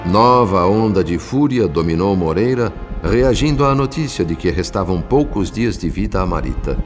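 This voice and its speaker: Radio drama narrator: grave, compassionate Brazilian spirit, deep voice, expressive swings, measured and formal, in long reverb. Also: male voice. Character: grave, compassionate male spirit recounting events, pleading for calm. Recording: long reverb, music behind.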